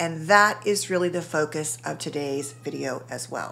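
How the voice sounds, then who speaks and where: A woman speaks with a Southern US accent at a fairly slow pace. Her voice has vocal fry and very wide pitch swings. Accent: Southern US, growing stronger with age. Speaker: psychologist. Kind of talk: educational talk.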